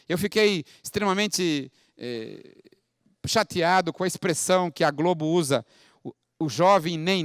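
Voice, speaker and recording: Brief: middle-aged male professor, story-led lecturer, slightly high voice, close dry mic. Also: no echo. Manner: anecdotal, frequently tags with rhetorical "né?". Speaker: university professor giving a keynote talk. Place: conference hall.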